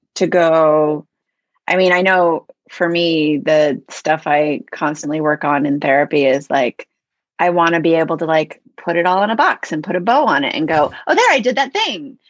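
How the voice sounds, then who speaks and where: A woman's unremarkable speaking voice, fairly low in pitch, at a moderate pace with ordinary pitch variation. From US, moved around; high school in Las Vegas. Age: 40s. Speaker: actor. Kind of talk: casual chat.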